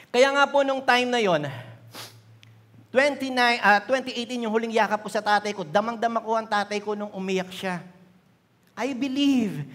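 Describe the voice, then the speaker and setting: A man preaching in a church, his voice pitched very high. He tells a personal testimony with deep feeling and addresses the congregation politely. The hall's long reverb trails behind every phrase. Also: a bit bright. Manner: emotional storytelling, polite address with "ho" and "po". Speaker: pastor. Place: church hall.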